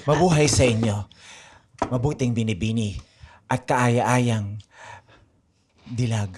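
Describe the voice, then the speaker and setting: A woman's voice: very deep voice, fairly even intonation, a little mellow, slight background noise. A woman playing a solemn, courtly male shopkeeper with formal, archaic speech in an improvised radio drama. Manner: formal, archaic wording, deliberate.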